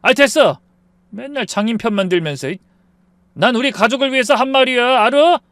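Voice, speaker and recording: A sneering, arrogant husband, drunk and quick to anger, from an audio story, played by a male reader. His voice rides high and strained, jumping around as he shouts. The recording is dry and close. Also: sing-song, dry recording. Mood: shouting.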